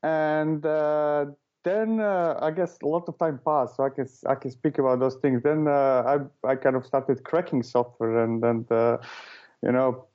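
A man's voice: mid-range voice, steady tone, unhurried. Serbian-born man, dull lo-fi sound. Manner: hesitant, many fillers and restarts. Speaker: guest, author and consultant. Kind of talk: casual interview answers.

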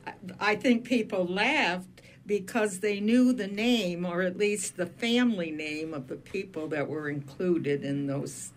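Unhurried older woman with a Maine accent. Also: lowish voice. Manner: unhurried, thoughtful, with frequent pauses. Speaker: guest. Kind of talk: casual radio conversation.

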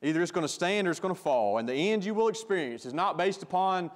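A male pastor preaching a sermon with emphatic delivery, growing louder when he stresses a point. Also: high-pitched, lively intonation, quick pace, long reverb tail.

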